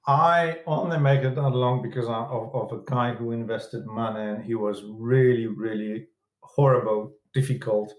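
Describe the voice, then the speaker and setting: A man's voice: mid-range voice, steady tone. Polish-accented man in an echoey room. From Poland. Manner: halting, many restarts and fillers, broken grammar. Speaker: film director and producer, guest. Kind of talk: casual interview talk. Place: room in London.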